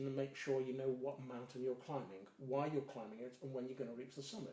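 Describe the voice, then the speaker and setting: A man with an English Midlands accent talks at a fairly quick pace in a medium pitch, his somewhat breathy voice rising and falling sharply in loudness with hardly any pauses. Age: 70s. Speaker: strengths coach. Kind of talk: interview.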